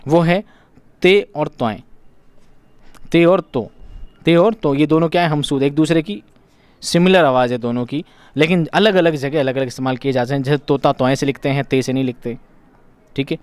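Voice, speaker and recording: Male tutor, exam-prep lesson, raised pitch, dry close sound, quizzes himself, repeats key terms. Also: moderate pace, pauses often, clear, resonant tone, no echo. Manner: asks questions and answers them himself. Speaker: teacher.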